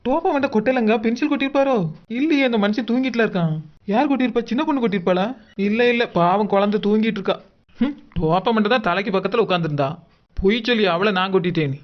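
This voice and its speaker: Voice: medium pitch, lo-fi sound, lightly acted. A performer voicing a quarrelsome, scolding village woman in a cartoon, combative, with a southern Tamil Nadu accent. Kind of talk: Tamil cartoon character dialogue.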